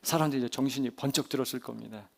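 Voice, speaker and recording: A man, a pastor, preaching a sermon in a church service, telling the story vividly, asking the congregation questions and swinging between loud and quiet. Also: medium pitch, racing, vocal fry. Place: church sanctuary during a service.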